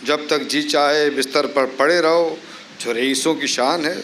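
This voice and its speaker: Reflective jailed poet, brisk and high-voiced. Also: male voice, steady tone, a bit bright. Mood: contented. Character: imprisoned male poet writing reflective, wry letters home to his wife. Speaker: dramatic reader. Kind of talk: staged dramatic reading of letters. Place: live literary festival event in a garden. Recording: faint background noise, live festival stage.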